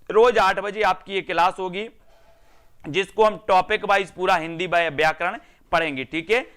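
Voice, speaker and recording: A man's voice: high-pitched, a bit bright, clear, resonant tone. A man teaching an online exam-prep Hindi grammar class, calling out students by name and answering his own questions. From India.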